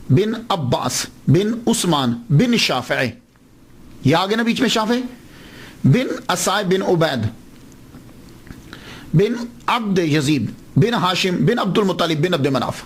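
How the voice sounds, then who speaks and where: A man giving a religious lecture as a scholar, explaining step by step and asking questions he then answers. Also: sits high. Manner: slows down to spell out names and words. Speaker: Islamic scholar.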